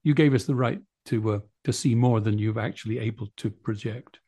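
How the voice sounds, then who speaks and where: A man interviewing a puppeteer, asking thoughtful questions in a measured, reflective manner. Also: mid-range voice, dark tone.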